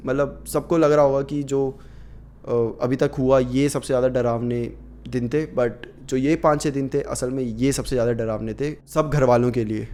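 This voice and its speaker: A man's voice: medium pitch, a little mellow. A man narrating a horror story in a casual, conversational way with many fillers.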